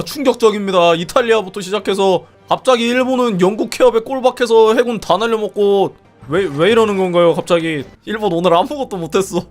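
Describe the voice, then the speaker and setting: Lively high-voiced young man streaming. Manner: animated, exclaiming, laughing often, swearing. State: strained voice from singing. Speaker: streamer commentating a multiplayer strategy game. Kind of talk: excited live game commentary.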